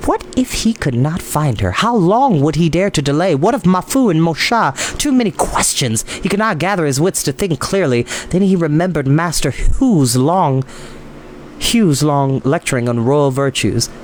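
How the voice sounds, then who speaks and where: A man narrates a storybook aloud as the host of a storytime. His voice is fairly high and very lively, with clear noise in the background. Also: normal speed.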